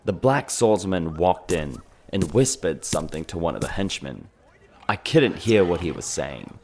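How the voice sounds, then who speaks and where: A man's voice: sits low, big pitch swings, a little slow, a little mellow, slight background noise, full character voice. A man playing a gossipy fantasy tavern owner, telling a tale straight to the listener in a conspiratorial, dramatic ASMR roleplay. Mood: awed, dramatic. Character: male tavern owner, gossipy storyteller of a dark fantasy town.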